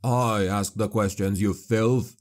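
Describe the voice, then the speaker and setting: A man voicing a grim male witch hunter who speaks in a cold, venomous, measured way. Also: lowish voice, fairly even intonation, darkish tone. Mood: furious.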